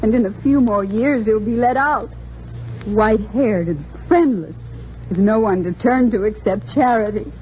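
Actress as a spirited young shop clerk, earnest and pleading; thin lo-fi sound with noise. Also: female voice, a little high, normal speed, close to an everyday voice. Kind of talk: 1940s radio acting. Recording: tinny noisy old radio broadcast.

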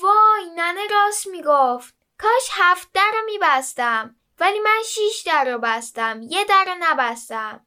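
A woman's voice: very high-pitched, lively intonation, hardly any pauses, bright, forceful tone, pitched above the performer's own voice, full character voice. A woman voicing a curious young girl in a children's story who talks to herself. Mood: wondering. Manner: talking to herself, wide-eyed.

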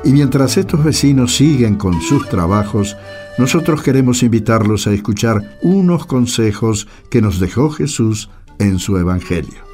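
A man's voice: mid-range voice, animated, moderate pace. A man narrating and reading scripture from a script. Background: music.

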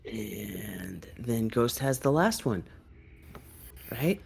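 A man playing a tabletop game, talking things through slowly and checking details. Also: fairly low pitch, animated, vocal fry, darkish tone. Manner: slow, deliberate, checking facts. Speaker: player. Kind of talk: casual table chat.

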